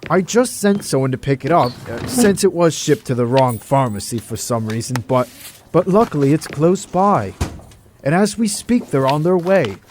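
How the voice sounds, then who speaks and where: A man's voice: a little high, very animated, moderate pace, darkish tone, a little hiss or hum. A man playing an earnest, kindly doctor in an amateur audio drama. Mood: upbeat, caring.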